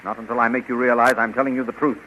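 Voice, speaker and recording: A man's voice: mid-range voice, level tone, very fast, slight background noise, natural voice. A man playing an earnest pleading hero. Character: earnest heroic young space adventurer. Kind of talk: 1930s radio acting. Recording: dull lo-fi 1930s radio recording.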